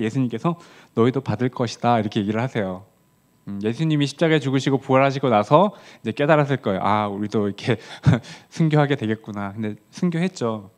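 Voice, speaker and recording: Korean pastor preaching conversationally. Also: male voice. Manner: conversational preaching, voicing quoted lines with rising pitch; drops to soft low tones on key words. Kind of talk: early-morning sermon.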